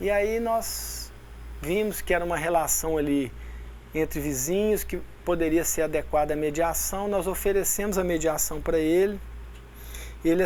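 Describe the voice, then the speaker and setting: Speaking at a fairly slow pace with long, frequent pauses, a man with a Minas Gerais accent is heard in a room with audible echo. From Minas Gerais, Brazil. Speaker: conflict mediator and course instructor. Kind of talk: online lecture with anecdote.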